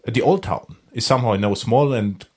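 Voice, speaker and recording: A man's voice: mid-range voice, fairly quick, darkish tone. A man hosting a podcast interview, asking casual questions in slightly non-native English and often backchanneling. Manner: non-native phrasing, frequent backchannel "mm-hmm". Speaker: podcast host.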